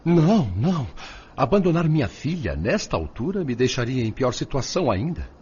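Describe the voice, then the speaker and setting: Um ator interpretando um avô mais velho, espírito angustiado e indignado com a família, em radionovela, com fala enfática. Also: male voice, medium pitch, sing-song, moderate pace, darkish tone, slight background noise, natural voice. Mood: anguished, pleading. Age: older. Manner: emphatic, exclamatory. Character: anguished, indignant grandfather spirit fretting over his family. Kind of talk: radio drama acting. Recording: dull lo-fi audio with music behind.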